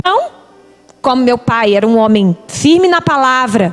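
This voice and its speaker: Speaking at a fairly slow pace with a slight Espírito Santo accent, a woman makes very wide pitch swings over noticeable background noise. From Brazil, Vitória, Espírito Santo. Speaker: prophetess, preacher. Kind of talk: sermon.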